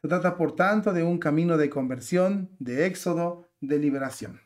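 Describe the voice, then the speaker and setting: A man's voice: fairly high pitch, normal speed. A man giving indignant religious commentary, reading out a news report and then arguing his case with pointed rhetorical questions. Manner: outraged, emphatic.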